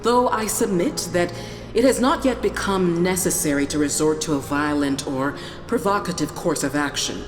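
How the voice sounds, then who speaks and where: A low, measured voice carries this resolute female Prime Minister played by an actress through formal parliamentary speech. The science fiction audio drama sets her in an echoing hall over clear music. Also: natural voice. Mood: diplomatic. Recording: echoey hall, music behind.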